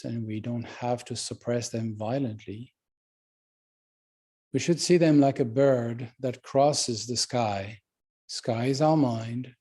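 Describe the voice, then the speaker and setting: A man teaches meditation in a relaxed, mellow voice. He speaks very slowly and gently, leaving unhurried pauses between instructions. His manner stays calm throughout. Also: mid-range voice, breathy edge.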